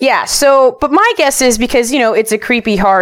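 A woman with an American accent is heard over noticeable background noise. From New York, the Bronx. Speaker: podcast guest. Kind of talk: casual chat.

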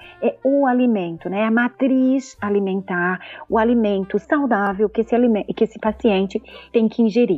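Moderate pace, very even loudness and ordinary pitch variation, with music in the background. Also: woman, fairly high pitch for a woman. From Santa Catarina, Brazil (Florianópolis). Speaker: nutritionist and researcher. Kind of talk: expert panel discussion.

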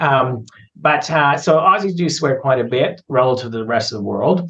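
Using a plain, everyday voice, a man talks at a moderate pace with lively intonation. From Western Canada. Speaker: leadership consultant and author. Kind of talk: interview conversation.

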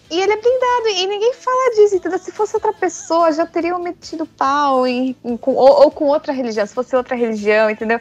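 In a dry, close sound with no echo, a woman speaks at a fairly quick pace with very wide pitch swings. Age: 30s. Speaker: podcast co-host. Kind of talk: casual chat.

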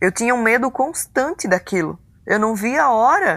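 Her voice an unremarkable speaking voice, a woman talks at a fairly high pitch and a moderate pace. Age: 30s. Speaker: mother of abuse victim. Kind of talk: testimony.

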